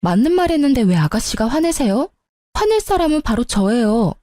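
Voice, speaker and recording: Shrill petulant sister-in-law, as a woman puts her on. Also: sing-song, fairly quick, mellow, dry recording, studio quality. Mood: indignant. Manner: whiny, indignant. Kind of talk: story radio drama reading.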